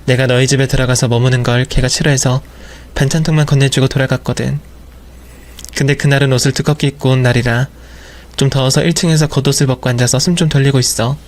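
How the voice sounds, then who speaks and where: A man voicing an apologetic older mother confessing to her son in a slow, regretful manner. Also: mid-range voice, fairly even intonation, lightly acted. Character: apologetic older mother-in-law, soft-spoken. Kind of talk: audio drama storytelling.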